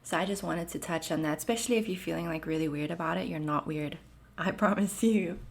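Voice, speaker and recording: A woman in her thirties talks with a South African lilt softened by Canadian vowels. Her voice sits a little low for a woman. She chats gently and reassuringly on her own podcast, with plenty of casual fillers. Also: brisk, vocal fry. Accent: South African mixed with Canadian. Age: 30s. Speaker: podcast host. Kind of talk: casual solo podcast talk.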